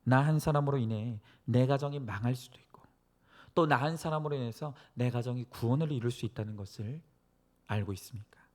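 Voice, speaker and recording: A male pastor preaching and praying earnestly to a congregation, exhorting them with phrases that swell from hushed to emphatic. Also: mid-range voice, fairly quick. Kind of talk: sermon and prayer to a church congregation.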